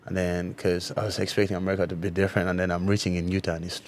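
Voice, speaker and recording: A young man from South Sudan whose first language is Dinka, answering interview questions in a relaxed way with many fillers. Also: low voice, rapid-fire, slight background noise. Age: young adult. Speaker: college basketball player, guest.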